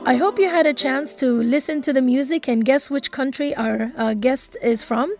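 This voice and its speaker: A woman's voice: high-pitched, normal speed, darkish tone, soft background music. A woman hosting a radio interview, asking friendly, informal questions. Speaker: radio host.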